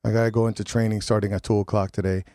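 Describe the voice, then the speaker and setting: A man's voice: lowish voice, flat delivery, racing, mellow, no echo. A radio host with a head cold, sounding nasal, chatting loosely and joking with his studio guests. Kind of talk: casual community radio chat.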